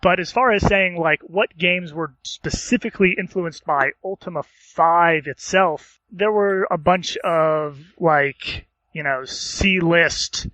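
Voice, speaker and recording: Bright, higher-pitched man chatting casually. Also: takes it slowly, no echo, poor audio. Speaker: podcast panelist discussing video games. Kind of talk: casual chat.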